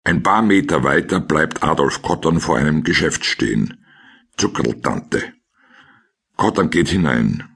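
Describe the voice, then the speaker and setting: Ein Mann mit österreichischem Akzent und rauer Stimme, der sachlich und trocken die Szenen eines Krimi-Hörspiels erzählt. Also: male voice, extremely low pitch, expressive, a little slow, a bit bright. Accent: Austrian. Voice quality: gravelly, husky. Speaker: narrator of a crime audio drama. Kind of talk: scripted scene narration in present tense.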